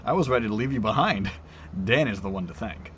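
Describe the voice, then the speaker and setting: A man's voice: on the low side, lively intonation, brisk, fairly bright tone, slight background noise. A man playing a brash, teasing train conductor in an audio drama, with a breezy, blunt manner.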